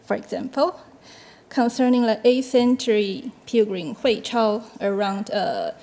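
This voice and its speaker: A woman's voice: mid-range voice, animated, unhurried, dark tone, slight background noise. A woman whose first language is Chinese, speaking English as a discussant at an academic seminar, hesitant, with frequent fillers and short laughs.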